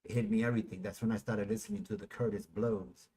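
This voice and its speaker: A man in his fifties, from Puerto Rico, hosting a casual interview and telling stories in an animated way, often repeating words as he thinks. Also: fairly low pitch, quick pace. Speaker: podcast host.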